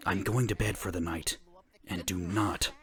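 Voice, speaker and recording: A man voicing an irritable, brooding hedgehog loner, curt and cold, in an animated drama. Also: low voice, normal speed. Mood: irritated, dismissive. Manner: curt, grumbling, heavy sighs.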